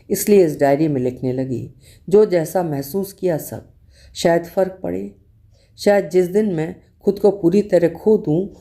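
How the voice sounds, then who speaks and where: Brief: woman narrator, first-person diary story, reflective, confessional, low warm tone.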